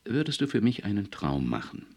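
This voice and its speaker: A man's voice: on the low side, huge pitch swings, brisk, creaky, darkish tone, voice pushed up, exaggerated voice. A man voicing an older, white-haired company boss who sounds businesslike and then coaxing with a child.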